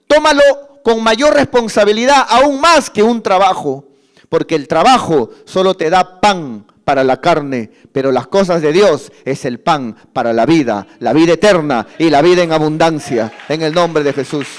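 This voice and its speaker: A man's voice: a little high, normal speed. A man preaching a sermon as pastor, impassioned and acting out the excuses of church members.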